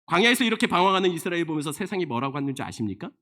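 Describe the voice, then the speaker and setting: A man who is a senior pastor, preaching a sermon emphatically with many rhetorical questions and frequent sudden drops to a low, quiet voice. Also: very animated, very fast.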